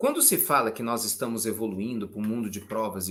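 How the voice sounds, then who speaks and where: A man speaks with a Brazilian accent. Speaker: spiritist teacher and financial coach. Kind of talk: religious study lecture. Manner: fast; animated.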